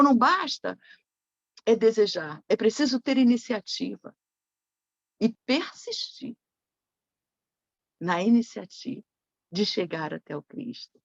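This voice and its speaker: A woman gives a reflective sermon, pausing to check in with her listeners as she goes. Her voice carries a slight gravelly edge. The recording is dull and dry, with little room sound. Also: fairly high pitch, no room sound. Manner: reflective, tags phrases with "né?". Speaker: spiritist lecturer.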